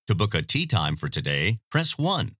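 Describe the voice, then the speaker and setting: A man reads phone greetings and menu options in a polished, courteous voice-over manner. His delivery is measured and even, with a melodic, lively rise and fall in pitch. The sound is dry and close, as from a studio mic. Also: dry recording. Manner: polite, measured, evenly paced delivery. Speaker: phone system voice-over announcer.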